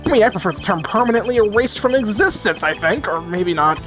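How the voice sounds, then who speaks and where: A man's voice: high voice, lively intonation, quick pace, fairly bright tone, soft background music, voice pushed up, low-quality recording. A man voicing a creepy, gleefully unhinged male villain in prison, reading game dialogue aloud in a theatrical, taunting way.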